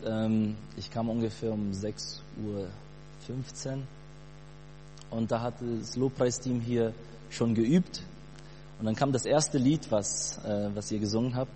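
A Brazilian-born man in his late twenties giving a fervent church testimony, halting often with fillers. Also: mid-range voice, a little mellow. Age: 20s. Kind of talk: sermon testimony. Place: church hall. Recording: long hall reverb, mains hum.

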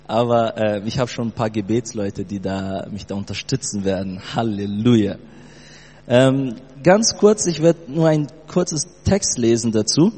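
A Brazilian-born man in his late twenties giving a fervent church testimony, halting often with fillers. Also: fairly low pitch, dark tone, slightly rough. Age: 20s. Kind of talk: sermon testimony. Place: church hall. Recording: long hall reverb, mains hum.

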